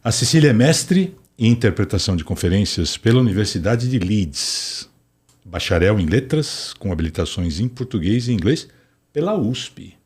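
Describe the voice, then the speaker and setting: A man from Brazil hosting a podcast interview, upbeat and lively as he introduces and questions his guest. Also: lowish voice, normal speed. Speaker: podcast host.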